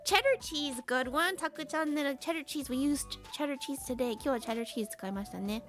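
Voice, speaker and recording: A woman live streamer chatting casually and switching between languages. She speaks slow, simple English for learners and reads out viewers' names in an upbeat, giggly way. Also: high voice, a bit bright, soft background music.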